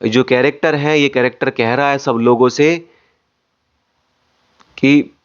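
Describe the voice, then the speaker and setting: A man's voice: mid-range voice, fairly even intonation, slow, smooth. A man coaching acting, explaining step by step to the camera and often repeating and rephrasing his phrases. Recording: dull lo-fi audio.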